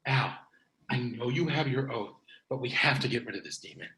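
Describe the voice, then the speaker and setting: A man playing an exasperated, mock-serious young video store worker in an animated comedy table read, in a roomy recording. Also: medium pitch, normal speed. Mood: urgent.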